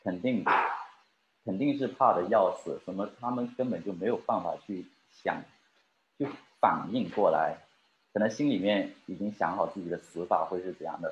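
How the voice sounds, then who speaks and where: A man with a low-sitting voice preaches a sermon directly to his congregation, asking them questions and drawing them in. There's slight background noise, and the lo-fi recording sounds roomy and dull.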